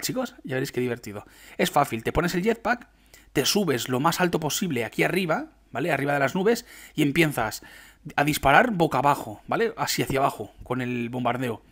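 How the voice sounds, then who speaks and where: A young man from Spain with a Spanish accent, commenting his own gameplay in an excitable, chatty way with frequent laughs. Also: mid-range voice. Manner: excitable, laughs often, chatty asides to viewers. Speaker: gaming YouTuber.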